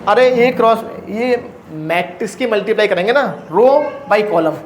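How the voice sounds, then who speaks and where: Male math teacher, high voice, chatty step-by-step board explainer, roomy echoey recording. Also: moderate pace, slight background noise. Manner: explains step by step, asking the class rhetorical questions; casual and chatty, calls students brother. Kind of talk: blackboard lecture. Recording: echoey room.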